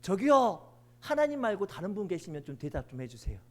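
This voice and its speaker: A frantic man clinging to a branch over a drop, begging to be saved in urgent, pleading bursts, as a preacher acts him out. The voice sits fairly high for a man. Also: wildly swooping pitch, quick pace, darkish tone, heavily acted. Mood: desperate.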